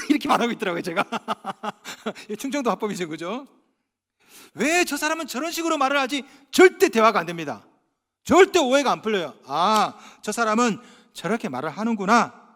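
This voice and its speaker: A male pastor from Gyeongsang Province preaching a sermon, telling humorous stories and acting out bits of dialogue. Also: high voice. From Gyeongsang Province, Korea. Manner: animated, humorous storytelling with acted-out dialogue. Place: church sanctuary. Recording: long church reverb.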